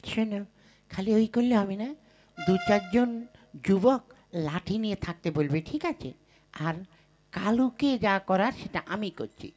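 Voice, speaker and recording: A woman's voice: mid-range voice, lively intonation, measured pace, pauses often, darkish tone, soft background music. A woman playing a sly married village woman in a folk puppet comedy, coy and coaxing but bossy. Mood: bossy, scheming. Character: sly married village sister-in-law, coyly flirting and scheming.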